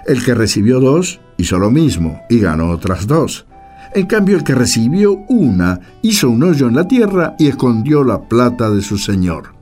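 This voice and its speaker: Deep, expressive male radio-play narrator. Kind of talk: scripted storytelling narration of a radio play and Gospel reading. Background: faint guitar music.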